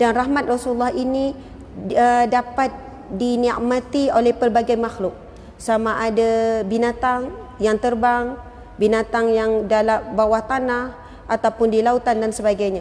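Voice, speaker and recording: Her intonation monotone and flat, a woman speaks at a fairly slow pace. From Malaysia. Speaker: religious preacher and family counsellor. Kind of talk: religious forum talk. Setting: mosque with audience. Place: hall. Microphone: handheld.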